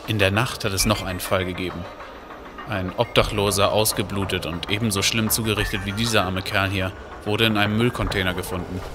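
Ein Mann spielt in einem deutschen Hörspiel einen sachlichen, nüchternen Kriminalbeamten. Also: male voice, on the low side, steady tone, a little fast, natural voice. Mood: sober. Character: sober male police detective at a crime scene. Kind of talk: German audio drama acting.

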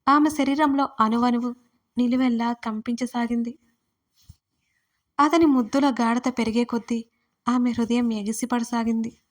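Even-toned woman narrating a romance story. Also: on the high side. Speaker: writer and narrator.

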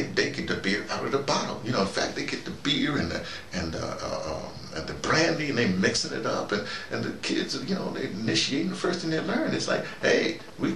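This older American vlogger and audio dramatist has a creaky, mid-range voice with a fairly bright tone. He preaches in a folksy, rambling monologue and keeps repeating phrases for emphasis. A distant mic picks up a roomy sound and faint background noise.

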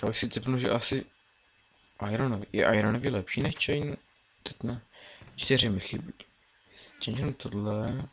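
Gravelly young man muttering over a game. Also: mid-range voice, pauses often. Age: teens. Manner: mumbling, thinking aloud while playing. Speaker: gameplay commentator. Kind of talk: casual Let's Play commentary.

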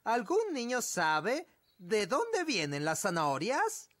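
A woman's voice: on the high side, wildly swooping pitch, slow pace, no room sound, studio quality, exaggerated voice. A woman voicing a pompous, bossy old male elf with a Latin American Spanish accent in a children's cartoon dub. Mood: instructive. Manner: pompous, pedantic, exclamatory. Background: music.

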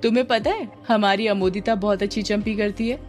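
A woman's voice: medium pitch, brisk, a little mellow, faint music behind, close to an everyday voice. A woman narrator voicing a scheming middle-aged aunt who talks in a coaxing, insistent way. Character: scheming aunt pushing her daughter.

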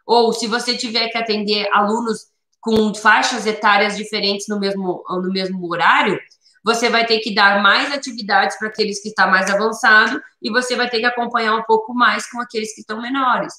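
A woman's voice: fairly high pitch, fairly even intonation, a little fast, pushed and bright, reverberant. A woman instructor explaining how to teach children, with many tag questions and rephrasings. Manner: explanatory, repeats points with many "né?" tags. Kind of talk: instructional talk.

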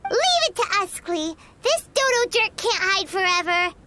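A woman voicing a tiny, cheeky, boastful fairy companion in a video game, with a squeaky childlike voice and exclamatory delivery. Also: big pitch swings, moderate pace, very noisy. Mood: determined, blustering.

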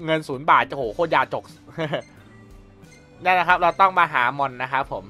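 A man's voice: a little high, unhurried, pushed and bright. A young man casually commenting while playing a video game, chatty and rambling with polite filler endings. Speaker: gameplay commentator. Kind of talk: casual let's-play commentary. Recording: voice over game audio and music.

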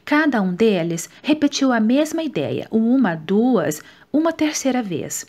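A woman with a Brazilian Portuguese accent, reading a nonfiction book aloud in a steady, measured way. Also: fairly high pitch. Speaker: audiobook reader. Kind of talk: scripted audiobook narration.

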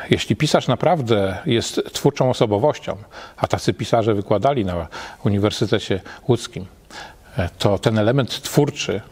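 A middle-aged man, a literary scholar, reflecting at a measured pace and often pausing with hesitations between phrases, recorded with a lapel mic in an empty lecture hall. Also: on the low side, a little mellow. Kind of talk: reflective spoken commentary.

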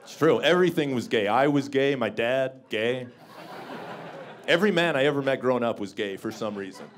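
A deep-voiced man in his thirties, from Canada, works a small comedy club stage through a handheld microphone. His delivery is wry and self-mocking, and he swings now and then into bursts of mock bluster. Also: expressive, fairly quick, slight background noise. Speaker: stand-up comedian. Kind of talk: stand-up comedy set.

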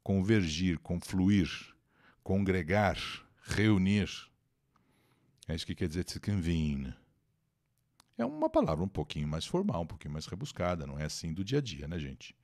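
A man with a deep, very animated, slightly mellow voice speaks at a moderate pace. Teaching English to Brazilians on a live stream, he reads an article and translates it in a Brazilian Portuguese accent, repeating words and greeting the chat.

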